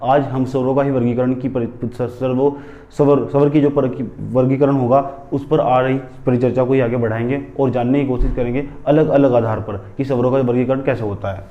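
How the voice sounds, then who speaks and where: A man's voice: mid-range voice, steady tone, a little fast, lo-fi sound. A man teaching a Hindi grammar class, repeating key terms and asking and answering his own questions as he dictates headings. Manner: tells students to write headings.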